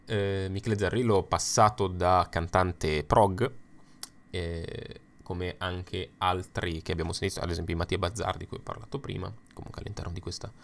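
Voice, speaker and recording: Low-voiced chatty man giving opinions. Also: fairly even intonation, moderate pace, vocal fry. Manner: chatty, opinionated, with frequent fillers and asides. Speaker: YouTube host ranking songs. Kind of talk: casual spoken commentary over slides.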